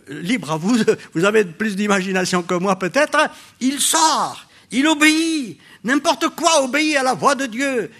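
Speaking in a high voice, an elderly preacher addresses his congregation with rhetorical questions during a sermon. He alternates between booming exclamations and hushed remarks.

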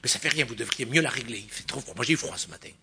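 A man with a husky voice quoting a nagging churchgoing woman who complains every week. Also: medium pitch, rapid-fire, sharp tone, full character voice. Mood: complaining. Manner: peevish, repetitive complaining.

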